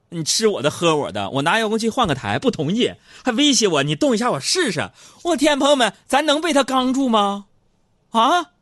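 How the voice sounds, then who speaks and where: A man with a Northeastern Chinese accent hosts a joking monologue in a fairly high voice. His pitch swings widely, and he teases the listener and slips into playful mock voices as he tells his story. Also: fairly bright tone, no room sound, studio quality. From Northeast China. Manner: jokey, playful teasing, sudden jumps into high mock voices. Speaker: host.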